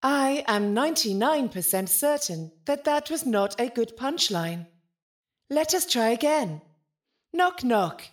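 Slow, formal ship's AI. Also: female voice, on the high side, big pitch swings. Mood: formal, earnest. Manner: formal, precise, earnest. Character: Al, polite literal-minded ship's artificial intelligence. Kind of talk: audio drama acting.

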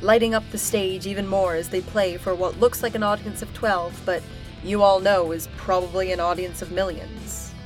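A woman's voice: mid-range voice, steady tone, moderate pace, faint music behind, rough recording. A woman hosting and narrating a tabletop roleplaying game in an informal, playful, sweary way. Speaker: game master and podcast host.

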